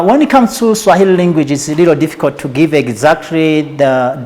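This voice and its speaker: A man's voice: a little high, darkish tone. A man speaking as an interview guest and advocate, explaining methodically, point by point. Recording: echoey hall-like reverb.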